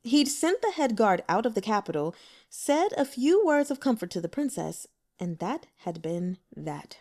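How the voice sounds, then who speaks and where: A woman narrating a novel as an audiobook with expressive storytelling. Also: fairly high pitch, normal speed. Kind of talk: scripted narration.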